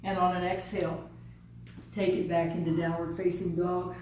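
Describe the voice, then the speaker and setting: A woman teaching a yoga class, giving calm, unhurried step-by-step cues. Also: on the low side, a little hiss or hum. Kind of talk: guided yoga class instruction. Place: yoga studio. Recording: distant, very echoey studio room.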